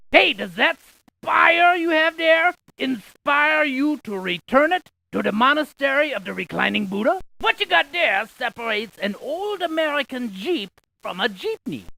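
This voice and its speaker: A man voicing an excitable, quirky scientist in a video game, with a creaky voice and a folksy, jokey, exaggerated delivery. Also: very high-pitched, full character voice, low-quality recording. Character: excitable, quirky scientist tour guide, full of folksy quips. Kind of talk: cartoonish video game character lines.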